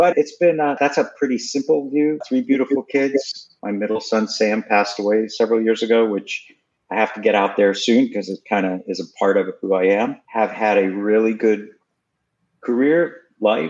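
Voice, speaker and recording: With an American accent and a normal speaking voice, a man talks at a moderate pace, using a medium pitch and ordinary pitch variation. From Houston, Texas. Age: 60s. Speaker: tech researcher and interactive artist. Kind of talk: casual interview chat. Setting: video call.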